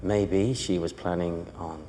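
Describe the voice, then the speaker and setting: An actor playing an evasive, hesitant witness on the defensive in a television courtroom drama. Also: male voice, sits low, fairly even intonation, takes it slowly, warm tone, big-room sound, a little hiss or hum. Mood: defensive, uneasy. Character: defensive, evasive male witness under cross-examination.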